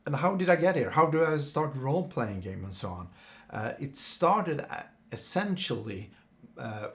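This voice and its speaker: A middle-aged Swedish man with a Swedish accent, speaking English as a second language, casually introducing himself to camera with many pauses and fillers. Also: fairly low pitch. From Sweden. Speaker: channel host.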